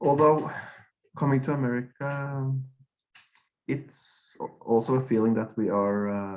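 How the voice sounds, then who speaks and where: Speaking in a Norwegian accent, a man moves at a fairly slow pace with ordinary pitch variation and long, frequent pauses. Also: medium pitch for a man. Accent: Norwegian accent, non-native English. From Norway. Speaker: pastor. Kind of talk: interview podcast.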